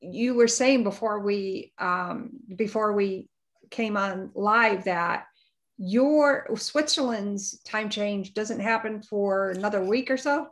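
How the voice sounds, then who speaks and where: A woman's voice: mid-range voice, slow pace. Upbeat woman podcast host. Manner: upbeat, appreciative, praising the guest. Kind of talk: casual interview hosting.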